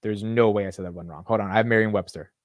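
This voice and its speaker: A young man hosting a casual livestream talks animatedly with his chat, joking and poking fun at himself. His voice is fairly low and he speaks at a racing pace. The studio-quality recording has no room sound.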